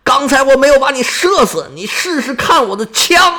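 A man's voice: high voice, animated, normal speed, gravelly, pushed and bright, voice pushed up, exaggerated voice. A man storyteller voicing a boastful young warrior who taunts and gloats. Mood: gloating.

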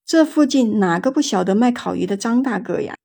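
A woman's voice: a little high, animated, brisk, vocal fry. A woman doing a coaxing ghost girl in white.

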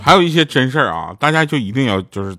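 A radio drama voice actor, plugging his show, spins funny stories in a loose, chatty monologue and laughs at his own punchlines. His mid-range voice is very animated, fast, pushed and bright. The recording is dry and studio quality, with faint music in the background.

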